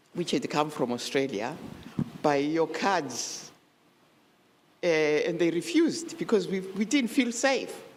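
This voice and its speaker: The speaker moves at a fairly slow pace with long, frequent pauses and very wide pitch swings. Noticeable background noise is present. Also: woman, fairly low pitch for a woman. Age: 80s+. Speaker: peace activist. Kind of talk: panel speech.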